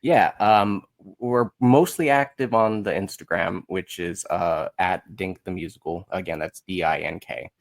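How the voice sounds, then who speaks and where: A man's voice: low voice, unhurried, creaky. A man speaking as an interview guest in casual conversation, informal and hesitant as he searches for his words. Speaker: podcast guest, musical creator.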